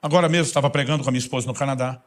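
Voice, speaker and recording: A man's voice: mid-range voice, steady tone, rapid-fire. A man with a Brazilian Portuguese accent, preaching a sermon as a pastor and telling stories fervently.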